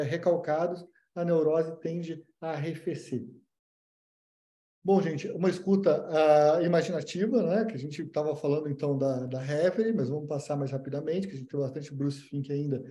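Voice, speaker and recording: A Brazilian man teaches a recorded psychoanalysis class in a fairly high, mellow voice. He talks animatedly, slipping into little acted-out exchanges to make his points. The room rings with a roomy echo. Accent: Brazilian Portuguese. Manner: animated, acts out little dialogues with rising pitch. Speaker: psychoanalysis instructor. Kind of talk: recorded online lecture.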